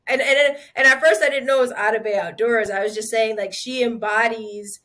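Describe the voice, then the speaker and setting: A woman speaking as a guest on a podcast interview, animated and loose, with plenty of "like" fillers and quick restarts. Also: fairly high pitch. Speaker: interview guest, outdoor group founder. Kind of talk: casual podcast conversation.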